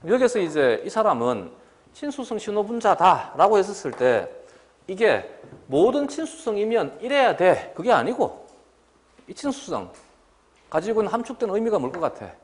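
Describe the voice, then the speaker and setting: Middle-aged man, biology lecturer, scolding classroom talk, fairly high voice, lively swings in pitch. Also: normal speed. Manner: lively and scolding, often asks "알겠지?"; mimics students in a higher voice.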